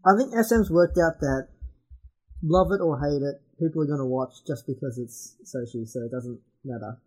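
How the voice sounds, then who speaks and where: A man's voice: a little high, normal speed, darkish tone, breathy edge, rough recording. A man co-hosting a casual online fan chat, speaking offhandedly with some stammered restarts. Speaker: podcast co-host.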